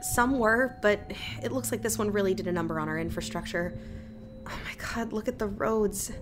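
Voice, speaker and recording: A woman's voice: mid-range voice, normal speed, noisy background, lightly acted. A woman playing an anxious small-town local, worried and urgent, in an audio drama.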